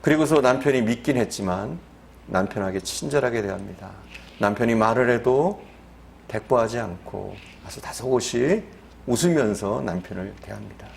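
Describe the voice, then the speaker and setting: A male pastor preaching a sermon in a church, telling a story slowly and deliberately. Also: mid-range voice, gravelly, slight background noise.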